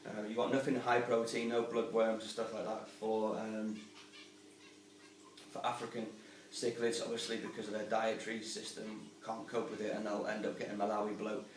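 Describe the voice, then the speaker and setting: A man's voice: lowish voice, completely flat delivery, normal speed, slight background noise. A man casually explaining aquarium fish care in a rambling, informal, chatty way, recorded at home beside a fish tank. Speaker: aquarium hobbyist and channel host. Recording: roomy, distant sound with faint ambience.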